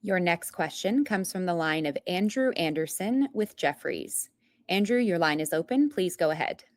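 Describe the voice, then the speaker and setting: Lowish-voiced woman operator, dry sound. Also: animated, moderate pace, no echo. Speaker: conference call operator. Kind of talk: scripted call announcements.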